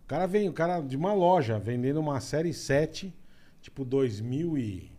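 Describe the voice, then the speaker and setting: A man in casual podcast chat who talks lively and loosely, with plenty of slang. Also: on the high side, moderate pace.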